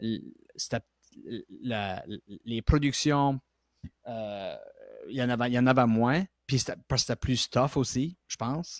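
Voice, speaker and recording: In a Nova Scotia Acadian accent, a man speaks at medium pitch and a fairly slow pace with long, frequent pauses, on a very clean recording with a silent background and a dry, close sound with no echo. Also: ordinary pitch variation. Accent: Acadian French, Baie Sainte-Marie. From Nova Scotia, Baie Sainte-Marie. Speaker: actor. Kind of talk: casual interview chat. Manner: halting, many repetitions.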